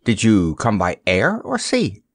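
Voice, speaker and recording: A man voicing a stern, excitable old sea captain and explorer who speaks loudly, in a storybook reading. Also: fairly low pitch, measured pace, husky, no echo, studio quality, heavily acted. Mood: excited.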